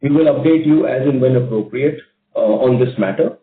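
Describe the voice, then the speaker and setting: Distant Indian executive on a phone line. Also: male voice, mid-range voice, normal speed. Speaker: company executive. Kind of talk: prepared earnings call remarks. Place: conference call. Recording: distant, roomy, muffled conference phone line.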